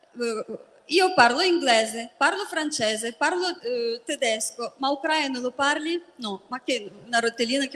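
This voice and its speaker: Against noticeable background noise, a woman with a high pitch and ordinary pitch variation speaks at a moderate pace. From western Ukraine. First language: Ukrainian or Russian (speaking Italian). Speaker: audience member. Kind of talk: audience question.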